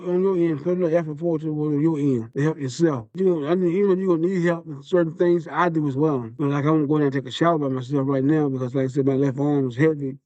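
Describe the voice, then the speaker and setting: A man's voice: fairly high pitch, warm tone, no room sound, muffled recording. A man hosting a podcast and giving an earnest, repetitive motivational talk. His speech is slurred from a facial palsy. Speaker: podcast host. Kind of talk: motivational monologue.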